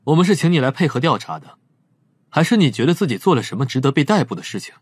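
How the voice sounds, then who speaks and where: Guy doing a needling cop, talks fast, husky, sharp tongued, audiobook. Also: medium pitch, sing-song, no echo, voice pushed up. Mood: combative. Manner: curt, needling. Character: sharp-tongued, combative male police investigator.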